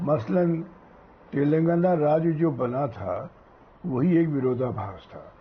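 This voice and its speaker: A man's fairly high, somewhat breathy voice with lively intonation, big swings in loudness, long and frequent pauses, and audible room echo. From Andhra Pradesh / Telangana, India. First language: Telugu (speaking Hindi). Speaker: senior journalist. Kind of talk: TV interview.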